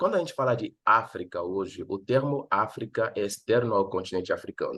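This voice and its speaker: A man speaks in a somewhat breathy voice. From Benin. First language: a Beninese local language (speaking Portuguese). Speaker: professor and educator. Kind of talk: lecture. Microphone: phone internet connection, no headphones.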